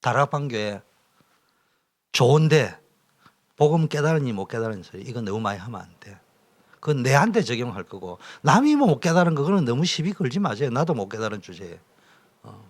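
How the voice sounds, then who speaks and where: A middle-aged male pastor, preaching a training lecture, swinging from loud exhortation to whispers. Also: medium pitch, big pitch swings, a little fast. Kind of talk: sermon-style training lecture.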